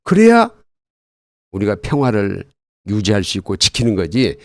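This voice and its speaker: An older man speaking as an interview guest, explaining things earnestly and at length in a halting way. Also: on the low side, wildly swooping pitch, dry recording, clean studio sound. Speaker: guest, retired army colonel and military history author.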